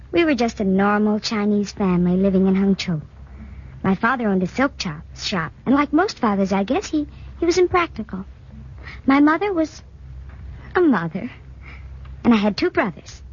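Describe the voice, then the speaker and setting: A woman's voice: medium pitch, a little mellow, slightly rough, dull audio. A woman playing a reflective seventeen-year-old girl who narrates a 1940s radio drama. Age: young adult. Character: teenage girl narrator, Lo Yin.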